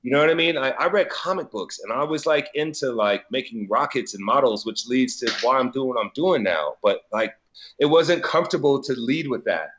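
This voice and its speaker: A man from Colorado chats as a guest in a relaxed conversation. He rambles with filler words, swears freely and laughs easily. His voice sits at an ordinary pitch, and the recording sounds somewhat dull and lo-fi. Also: brisk. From Colorado, USA. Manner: loose and profane, many "like" fillers, laughs easily. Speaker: guest, DJ and business owner. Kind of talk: casual conversation.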